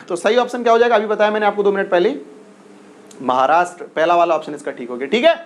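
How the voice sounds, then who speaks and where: A male teacher giving an exam-prep lesson, repeating himself and coaxing his students to answer quickly. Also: high voice, expressive, a little hiss or hum. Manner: repetitive, coaxing, drills questions and urges quick answers.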